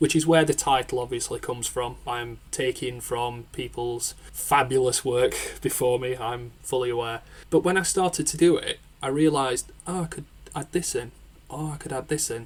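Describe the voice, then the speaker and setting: A man speaks with a Yorkshire accent at medium pitch and a moderate pace. His voice is somewhat breathy, with fairly even intonation. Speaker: clinical psychologist and author. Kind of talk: casual chat.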